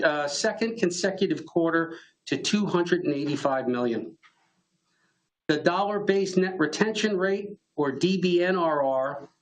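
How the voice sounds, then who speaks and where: A man giving a scripted earnings call presentation as a company executive, in a formal, measured business manner. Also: on the high side, rough recording.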